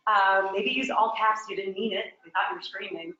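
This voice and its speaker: A woman from New York leads a live workshop, chatty and quick to quiz the people in front of her. Her voice bounces around a very echoey training room. The sound is slightly dull and muffled. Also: mid-range voice, fairly even intonation, bright, forceful tone. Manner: chatty, quizzes the audience. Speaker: real estate workshop presenter. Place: training room with a small audience.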